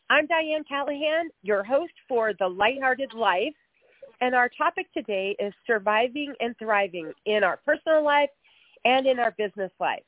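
A middle-aged woman hosts a radio interview, sounding upbeat and chatty though stuffed up with a cold. Her voice sits high with no room sound, while the audio is tinny and phone-like, with faint music underneath.

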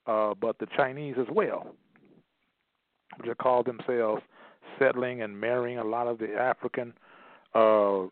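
A man's voice: medium pitch, no echo. A man giving an emphatic lecture, partly reading aloud and repeating phrases for stress. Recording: tinny phone-like line, dry.

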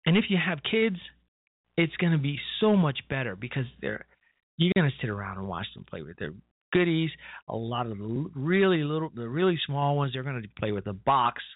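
A man in his fifties talks casually as the host of his own internet radio show. He rambles and keeps interrupting himself with asides. His voice sits at an ordinary middle pitch and comes through a narrow, phone-like line with a dry, close sound. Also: big pitch swings, fairly quick, no room sound. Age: 50s. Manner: rambling, chatty, self-interrupting with frequent "you know". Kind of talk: casual talk radio monologue.

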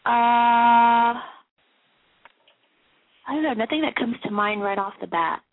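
A woman's voice: on the high side, slow, no room sound. A woman calling in to a show, speaking casually, politely and a bit hesitantly over the telephone. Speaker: caller. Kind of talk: casual phone conversation. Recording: narrow telephone line.

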